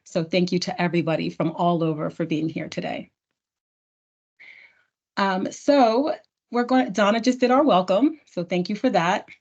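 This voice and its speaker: A woman's voice: on the low side, moderate pace, a little mellow. A woman training and hosting a virtual town hall, chatting casually with many fillers and restarts. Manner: chatty, filler-heavy, self-correcting. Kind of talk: casual presentation to partners. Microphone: video call. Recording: dull lo-fi video call audio.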